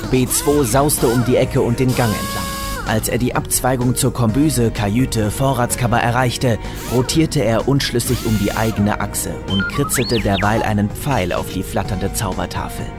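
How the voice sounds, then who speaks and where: A man's voice: mid-range voice, moderate pace, music in the background. A man narrating a scripted comic story in a wry, tongue-in-cheek manner.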